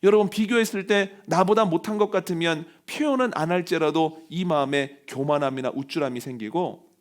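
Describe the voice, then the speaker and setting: A man preaching a sermon as pastor, telling a story and dropping low and soft when he voices quoted dialogue, then rising in force on key points. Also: brisk. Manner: storytelling, voicing quoted dialogue softly and lower.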